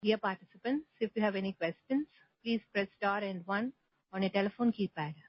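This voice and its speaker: A woman's voice: medium pitch, fairly quick, dry recording. A woman moderating a conference call with polite, formulaic scripted operator announcements. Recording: muffled conference phone line.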